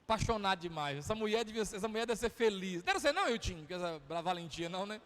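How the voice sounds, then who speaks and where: Brief: Brazilian male pastor, conversational humorous sermon, very high pitch, long church reverb. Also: big pitch swings, racing. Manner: chatty, humorous storytelling. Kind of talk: sermon with storytelling.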